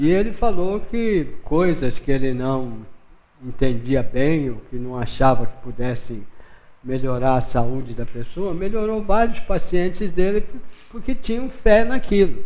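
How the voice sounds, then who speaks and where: Noticeable background noise accompanies a voice whose pitch swings very widely. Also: man, fairly high pitch for a man, fairly slow pace. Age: 70s. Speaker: TV show host, interviewer. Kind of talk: TV interview.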